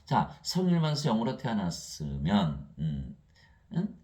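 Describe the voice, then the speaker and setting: A man preaching a sermon, asking and answering his own questions and acting out Bible figures in lively voices. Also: fairly low pitch, moderate pace. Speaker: pastor.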